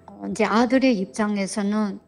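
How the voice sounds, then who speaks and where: A woman in her forties, a church member telling her family troubles in a counseling interview, talking slowly and hesitantly. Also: medium pitch, fairly even intonation, gravelly. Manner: slow, hesitant, soft-spoken.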